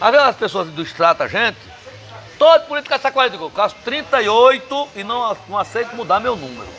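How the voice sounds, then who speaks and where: A man speaks in a raised, projected voice at an extremely high pitch and a very fast pace. His animated tone is bright and sharp, with lively intonation and big swings in loudness. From Brazilian Northeast (Paraíba). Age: 70s. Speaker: political activist and city council candidate. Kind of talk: interview. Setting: bar with audience.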